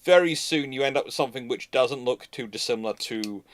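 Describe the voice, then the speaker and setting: Discursive man in expert discussion. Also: mid-range voice. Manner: discursive, hedging, halting with asides. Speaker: host of a live naval history Q&A.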